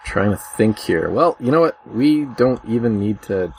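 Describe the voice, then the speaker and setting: A man's voice: lowish voice, animated, normal speed. A man hosting a podcast in a casual, chatty style. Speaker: podcast host. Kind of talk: casual chat. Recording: slightly noisy online voice chat.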